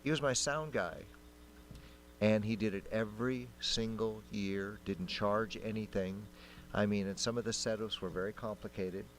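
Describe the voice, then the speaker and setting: A man's voice: lowish voice, steady tone, normal speed, slight background noise. A man, a council member, giving a heartfelt, informal tribute to a veteran at a city council meeting. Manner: warm, informal storytelling.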